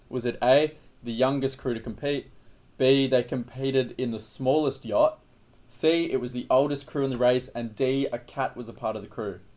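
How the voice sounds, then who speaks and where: Speaking with an Australian accent, a man keeps a moderate pace and fairly even intonation. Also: medium pitch for a man. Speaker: quiz master. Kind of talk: reading aloud.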